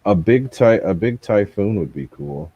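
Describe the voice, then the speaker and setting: Low husky man chatting casually. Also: animated, measured pace, lo-fi sound. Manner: thinks aloud with many ums and uhs. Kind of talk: casual chat.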